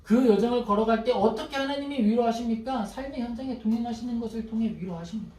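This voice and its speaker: A man's voice: extremely high pitch, quick pace, mellow. A male pastor preaching a sermon who asks the congregation questions and acts out pleading prayers. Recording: echoey hall, voice from a distance.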